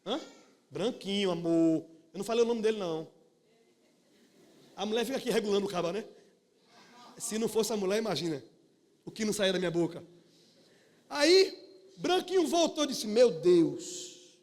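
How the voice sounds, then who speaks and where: High-voiced preacher. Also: male voice, a little fast, long pauses. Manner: animated, folksy, talks to the congregation. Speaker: pastor. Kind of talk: live sermon with storytelling. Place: church.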